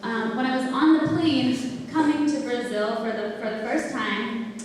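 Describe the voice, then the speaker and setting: A young woman from the United States giving a public talk, hesitant with many pauses and restarts, recorded far off in a lecture hall. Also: fairly high pitch, steady tone, slight background noise. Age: young adult. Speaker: exchange student speaker. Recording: echoey hall, mic far off.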